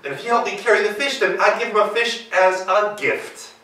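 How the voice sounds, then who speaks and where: A crafty folktale fox, played by a male storyteller, coaxing and hedging as he talks. The voice is high and bright, ringing in a very echoey room. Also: animated, brisk. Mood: feigned innocence. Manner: smooth-talking, hedging, persuasive. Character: sly, quick-thinking male fox trickster. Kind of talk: live folktale character voice. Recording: roomy live hall, distant mic.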